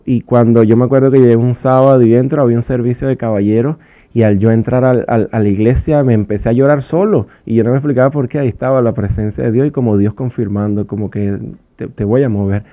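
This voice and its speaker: A man's voice: medium pitch, steady tone, fast, mellow, dry recording. A young adult man giving a personal faith testimony on Christian radio, earnest and emotional, often restarting his words. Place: radio studio.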